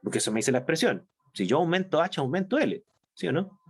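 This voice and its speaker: A man giving a university chemistry lecture, explaining step by step, slowing down to stress key points and often checking that students follow. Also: on the high side, very animated, husky. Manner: explanatory, checks understanding with frequent tag questions. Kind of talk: online class lecture.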